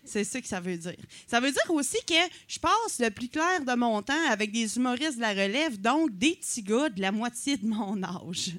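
A woman's voice: on the high side, sing-song, normal speed, hardly any pauses, fairly bright tone, no echo. A woman in her forties from Quebec City with a Quebec French accent, doing a chatty, self-mocking stand-up set with lots of filler words. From Quebec City, Canada. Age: 40s. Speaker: stand-up comedian. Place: comedy night on stage.

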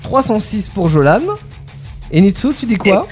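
A man's voice: high voice, animated, moderate pace, darkish tone, faint music behind. A man hosting a casual radio quiz, playful, repeating his questions and laughing at himself.

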